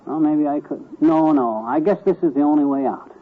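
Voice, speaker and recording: An actor playing a stubborn, boastful husband in a 1940s radio sitcom, blustery and self-assured, on an old radio transcription. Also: male voice, fairly high pitch, a little fast, narrow, tinny audio, close to an everyday voice.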